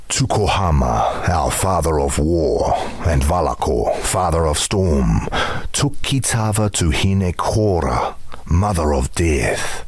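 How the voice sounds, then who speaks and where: A grave storyteller of a tribal people in a fantasy game. The voice is extremely deep and husky, and it moves slowly and solemnly through old myths of gods. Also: male voice, expressive, dry recording, full character voice. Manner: solemn, measured. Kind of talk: solemn scripted myth narration.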